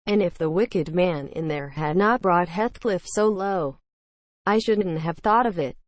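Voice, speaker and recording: Woman reading as passionate, willful young gentlewoman. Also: on the low side, no echo, lightly acted.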